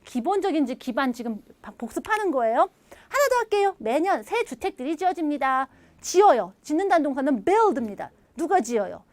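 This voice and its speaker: A high-pitched woman delivers an English grammar lesson with animated energy, coaxing students to repeat sentences after her. The sound is dry and close, with no room behind it. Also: moderate pace, dry recording. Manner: lively, animated, leads repeat-after-me drills; acts out little dialogue lines in playful voices. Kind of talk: recorded video lecture.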